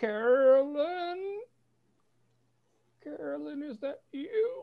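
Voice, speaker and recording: Someone speaks in a put-on character voice at a high pitch and a very slow pace. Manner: querulous.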